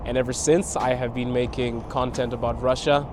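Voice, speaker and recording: A man's voice: medium pitch, level tone, fairly quick, background noise. A man from Botswana, a guest content creator, answering interview questions outdoors in a reflective way and laughing between thoughts. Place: outdoors in a city park.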